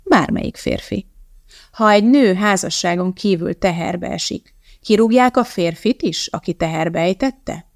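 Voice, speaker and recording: A calm young woman scientist from an audiobook, matter-of-fact and unshaken, as a woman reader voices her. Her voice sits low with a gravelly edge, recorded dry and close. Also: no echo. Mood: calm and firm. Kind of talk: audiobook reading.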